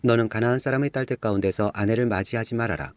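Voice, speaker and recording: A man reading scripture aloud in a steady, plain scripted style, with barely any acting in the quoted speech. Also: on the low side, fast talker, no room sound. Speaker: Bible reader.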